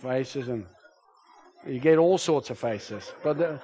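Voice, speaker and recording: A man whose first language is German, preaching a sermon to a congregation, his voice rising loud when he quotes scripture. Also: medium pitch, slow, rough recording. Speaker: pastor. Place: church.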